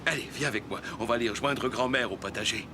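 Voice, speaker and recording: A man's voice: medium pitch, quick pace, natural voice. A man voicing a cheerful, kindly grandfather in a French children's cartoon. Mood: reassuring. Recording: loud music bed behind the voice.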